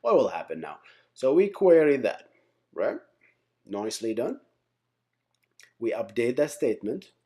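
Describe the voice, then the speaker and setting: This man, a software engineering instructor, leads a casual tutorial by thinking aloud through each step and regularly checking in with brief tags. His medium-pitched voice is warm and very animated, and he speaks unhurriedly with frequent pauses.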